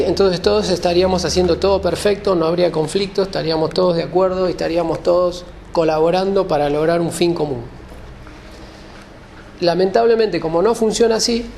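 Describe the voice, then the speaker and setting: High-pitched, creaky-voiced man lecturing. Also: darkish tone, a little hiss or hum. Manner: didactic, rephrases and checks understanding. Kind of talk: explanatory lecture to an audience.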